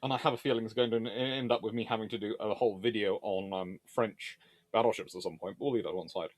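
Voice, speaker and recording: He talks fast with a lowish voice and fairly even intonation, recorded dry. The man is a naval history video host running a casual explainer and viewer Q&A, reasoning through debates in an emphatic, meandering fashion.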